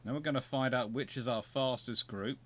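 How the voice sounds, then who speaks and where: He's an English streamer with a Surrey accent, hosting casual live commentary while playing a naval strategy game. He chats, jokes, and thinks aloud with restarts, in a mid-range, slightly bright voice at a moderate pace.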